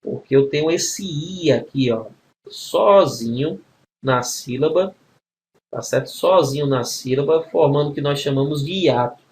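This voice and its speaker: A man teaches a grammar exam-prep lesson in a voice pitched a little high. He walks through spelling rules step by step and keeps checking in with short tag questions. A faint hiss sits under the recording. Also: a little slow, a little mellow.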